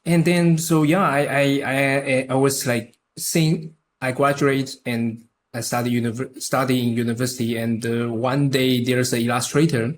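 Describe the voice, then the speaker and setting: A young man from Taiwan, a native Chinese speaker with a Taiwanese accent, chatting haltingly as a podcast guest with many restarts. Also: mid-range voice, steady tone. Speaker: podcast guest, concept artist. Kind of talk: casual interview chat.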